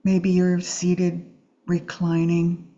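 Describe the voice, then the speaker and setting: A woman meditation teacher guiding a Yoga Nidra practice in a gentle, soothing, unhurried way with long pauses. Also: fairly low pitch, monotone, lo-fi sound.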